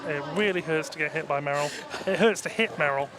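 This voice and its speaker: Welsh male derby commentator, slightly high voice, chatty and self-mocking, headset, noisy arena. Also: brisk. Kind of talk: live sports commentary.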